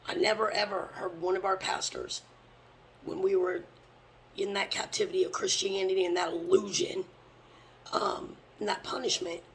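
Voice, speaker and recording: Gravelly, intense street preacher. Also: medium pitch, a little hiss or hum, rough recording. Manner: intense, often drops to a hushed whisper; blunt, with occasional swearing. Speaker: religious teacher. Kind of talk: fervent scripture preaching.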